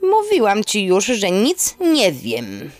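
A woman's voice: mid-range voice, huge pitch swings, no echo, soft background music, voice pushed up. Woman putting on a drawling, scolding elderly aunt. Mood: indignant. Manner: exclamatory, drawn-out grumbling. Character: grumbling elderly aunt, folksy, scolding yet affectionate. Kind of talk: audio drama character voice.

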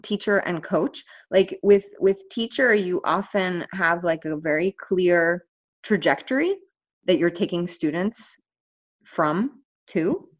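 A woman with a low voice talks through her ideas on a video call, pausing on fillers and restarting her sentences. The sound is dull and dry, like a call recorded without any room around it. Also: expressive, dry recording. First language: not Finnish. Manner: thoughtful, many fillers and restarts. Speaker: online language coach. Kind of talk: casual video call conversation.

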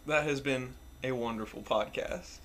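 A man's voice: medium pitch, moderate pace, a bit bright, a little hiss or hum. A man hosting a podcast, joking crudely with his guest in casual chat. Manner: laughing, crude banter. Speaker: podcast host.

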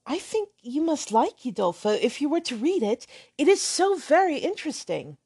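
A woman voicing a shy, earnest young woman who speaks softly and hesitantly. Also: sits high, sing-song, moderate pace, voice pushed up. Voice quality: soft, hesitant.

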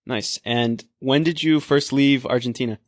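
A man's voice: medium pitch, normal speed, no echo, studio quality. A man hosting an interview podcast, reading a scripted intro and asking questions in an upbeat way with short reactions. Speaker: podcast host.

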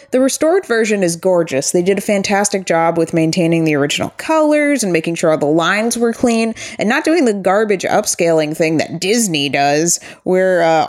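A woman co-hosting a podcast, reviewing an animated film in casual chat with wry, opinionated remarks and the odd swear word. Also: fairly low pitch. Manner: wry, opinionated, profane asides. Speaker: podcast co-host.

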